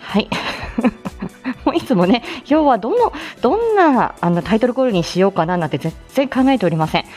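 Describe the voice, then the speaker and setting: A woman's voice: fairly high pitch, big pitch swings, fairly quick, a little mellow, faint music behind. A woman hosting her weekly morning live stream as a speech therapist, chatting in a flustered way with many fillers and little laughs. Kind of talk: casual solo live stream.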